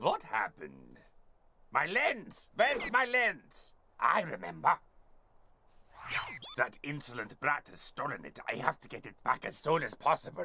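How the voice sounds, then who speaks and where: In a cartoonish character voice, a man talks at a high pitch and a moderate pace with long, frequent pauses. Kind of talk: cartoon villain acting. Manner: megalomaniac, gloating, short-tempered.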